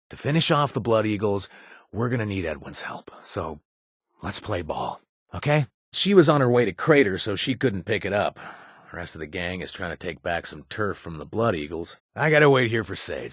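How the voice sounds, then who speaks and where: A wisecracking, guilt-ridden young ex-raider for a video game. His voice sits low and husky, with pitch that rises and falls a lot as he moves between sarcasm and regret. It is recorded dry and close, with no room sound. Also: sing-song, normal speed, fairly bright tone, no echo, heavily acted. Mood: sarcastic. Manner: sarcastic, emotional, shifts from jokes to remorse. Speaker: companion character in a game. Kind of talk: game voice acting.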